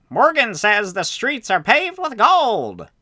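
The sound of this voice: A put-on character voice at fairly high pitch, fairly slow in pace, with very wide pitch swings.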